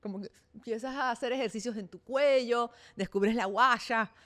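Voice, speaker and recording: A woman's voice: fairly high pitch, normal speed, a bit bright, no room sound. A woman in her thirties hosting her own podcast, talking candidly and chattily about her life and sometimes acting out her own thoughts. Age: 30s. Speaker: podcast host. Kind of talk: casual personal monologue.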